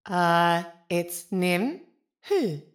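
Slow, formal ship's AI. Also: female voice, lowish voice, sing-song, full character voice. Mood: formal, earnest. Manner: formal, precise, earnest. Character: Al, polite literal-minded ship's artificial intelligence. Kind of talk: audio drama acting.

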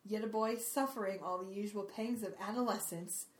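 A woman's voice: medium pitch, steady tone, moderate pace, lightly acted, poor audio. A woman voicing a gossipy, sensational female tabloid reporter, reading a magazine article aloud with mock-serious melodrama. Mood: mock-dramatic.

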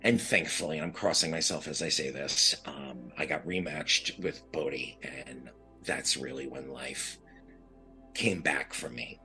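A man's voice: extremely low pitch, unhurried, sharp tone, faint music behind. A man from New York, a guest on an interview podcast, talking in an earnest, reflective way with restarts. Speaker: guest, blind advocate.

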